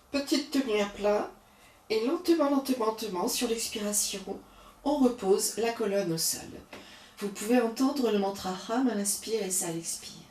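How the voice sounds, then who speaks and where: A woman yoga teacher giving slow, calm guided cues through a breathing and posture practice. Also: a little high, reverberant, distant mic.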